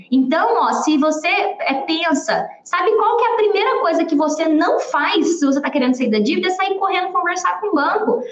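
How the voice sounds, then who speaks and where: A Brazilian woman, a financial educator, giving a lively, talkative online lesson about getting out of debt. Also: very high-pitched. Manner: lively, talkative, playful exaggerations. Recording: roomy, slightly dull sound.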